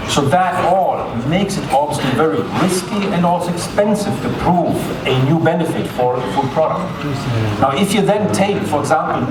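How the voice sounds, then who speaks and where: A man from Germany with a German accent, giving a measured conference talk with occasional restarts. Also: on the high side. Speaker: conference speaker. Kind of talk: conference presentation. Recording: echoey hall, distant mic, loud ambience.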